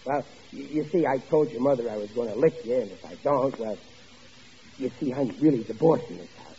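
An actor playing a blustering but soft-hearted working-class father in an old-time radio sitcom, stammering through his mock-stern talk. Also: mid-range voice, brisk, natural voice. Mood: sheepish, confiding. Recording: dull vintage radio recording, faint noise, audience.

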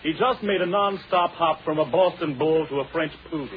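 A man's voice: fairly high pitch, normal speed, a faint crowd, slight background noise, natural voice. An actor playing a grandiose, bumbling flea circus showman in 1940s radio comedy, with hesitant showman's patter. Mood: grandly boastful. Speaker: comic supporting player in a radio show. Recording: dull old radio recording, loud studio audience.

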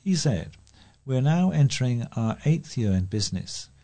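A man's voice: medium pitch, very animated, normal speed, dark tone. A man reading local news stories aloud as a volunteer reader.

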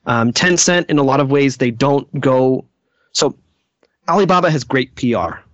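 A man's voice: medium pitch, animated, normal speed, fairly bright tone, no echo, lo-fi sound. A man speaking casually as an interview guest, hesitant and often searching for words. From United States. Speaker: podcast guest.

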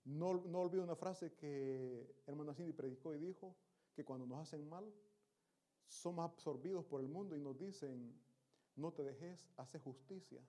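A pastor delivers a Sunday sermon to his congregation, exhorting them and putting questions to them. His voice sits somewhat high for a man. His tone is mellow and relaxed. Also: moderate pace. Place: church service.

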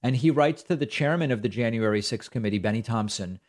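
A middle-aged man from the United States hosts a political commentary show with a sarcastic, exasperated edge. His voice sits at an ordinary middle pitch, and his talk runs loose and conversational, with asides and flat put-downs. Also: fast talker. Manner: sarcastic, exasperated, reads quotes aloud with emphasis.

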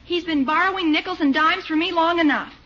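An actress playing a bossy, indignant teenage older sister, scolding and insistent in 1940s radio comedy style. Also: female voice, very high-pitched, brisk. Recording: dull, hissy vintage radio recording.

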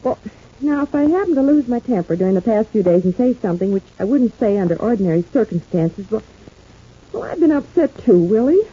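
A woman's voice: fairly high pitch, lively intonation, brisk, husky. A woman acting a fretful, devoted working-class housewife in an old-time radio serial, with a folksy, emphatic delivery. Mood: exasperated. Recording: thin, phone-like old radio recording.

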